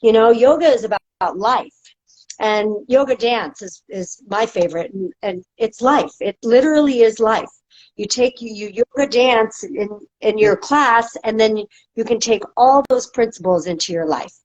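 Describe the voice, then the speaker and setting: A woman's voice: fairly high pitch, normal speed. A woman, a movement instructor, talking casually in a podcast with many fillers and restarts. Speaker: guest, movement and dance instructor. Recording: dull lo-fi audio.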